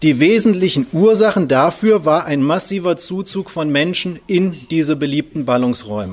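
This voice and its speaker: With a normal speaking voice pitched fairly high, a man talks at a moderate pace using lively intonation. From Germany, Cologne. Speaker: economist. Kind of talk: lecture. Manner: formal.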